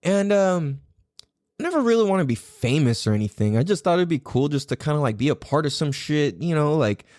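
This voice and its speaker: A man's voice: on the high side, big pitch swings, brisk, darkish tone, dry recording, studio quality. A young adult man hosting a podcast, telling a rambling, profane story in a casual solo style. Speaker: podcast host.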